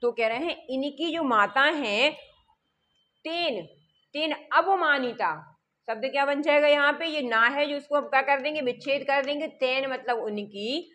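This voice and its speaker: A woman teaching a lesson, reading lines slowly, then explaining them quickly and asking her students questions. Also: high voice, sharp tone. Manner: explains step by step, asks the class questions and answers them.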